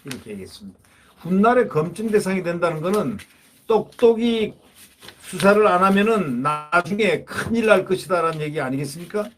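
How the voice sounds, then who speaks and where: A man's voice: sits high, expressive, fast, a little hiss or hum. A man giving solo political commentary, talking emphatically and repeating phrases to drive his points home.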